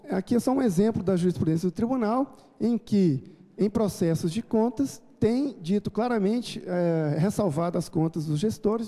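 Brazilian male speaker, 30s, dark mellow tone, halting conference talk on a handheld mic. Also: sits high. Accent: Brazilian Portuguese. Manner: measured, many hesitations and restarts. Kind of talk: formal conference lecture. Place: large auditorium, indoors. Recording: auditorium reverb.

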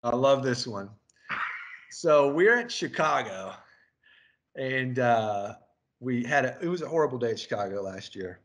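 A man's voice: medium pitch, lively intonation, measured pace, long pauses. Chatty man telling a story. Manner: rambling storyteller, laughing often. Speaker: crew chief interviewing his race engineer. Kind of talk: casual chat interview.

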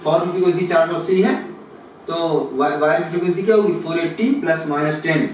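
A man's voice: a little high, fairly even intonation, fast talker. A man teaching physics, working through exam questions and asking and answering his own questions. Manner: addresses students as kids, asks and answers his own questions. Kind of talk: explaining exam solutions. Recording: echoey room, mic far off, noisy.

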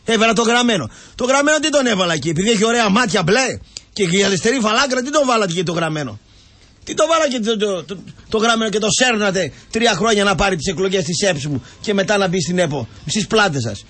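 A football pundit on a heated comic sports talk show rants, mocks, and keeps cutting in. His voice is high, animated, and fairly bright.

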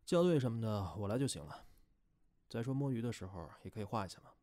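A man's voice: lowish voice, animated, fast, warm tone, lightly acted. A man playing a laid-back, caring young man who coaxes with mild exasperation in an amateur radio drama. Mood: coaxing. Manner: coaxing, casual.

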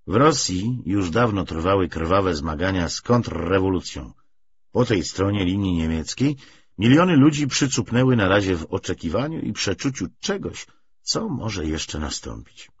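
A male audiobook narrator with a fairly low voice and widely moving intonation. He reads literary prose slowly and expressively. The sound is a little dull and lo-fi. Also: breathy edge.

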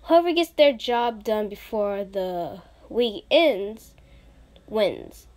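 A woman's voice: medium pitch, very animated, slow pace, a little mellow, pitched below the performer's own voice. A woman playing a teasing, reassuring young female friend in a playful audition reading.

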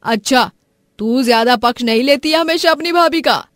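A woman playing a strict, grumpy middle-aged mother-in-law in an animated family story, with a commanding manner. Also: sits high, moderate pace, no room sound, clean studio sound. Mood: stern disapproval. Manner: scolding, commanding.

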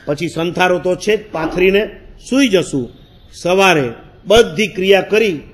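Animated high-voiced monk storytelling. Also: male voice. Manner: animated storyteller, acts out his own past words, laughs. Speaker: Jain monk. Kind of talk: sermon storytelling.

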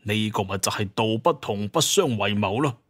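A man's voice: lowish voice, expressive, normal speed, fairly bright tone, no echo, clean studio sound. A man playing a proud, bitter hunter clan heir in an audio drama, with an emphatic manner. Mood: scornful.

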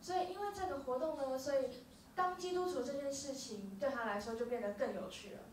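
A woman interpreting live from a stage, speaking quickly with short filler hesitations. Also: high voice, slight background noise. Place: small dark music venue. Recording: roomy venue, from far off.

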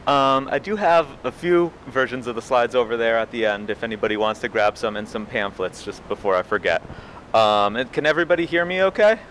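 A man in his thirties with a loud voice, giving a chatty history talk at a library with lots of ums. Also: mid-range voice, a little fast, background noise. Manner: chatty, many fillers, laughs at himself. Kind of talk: public lecture. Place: library meeting room. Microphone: lectern mic.

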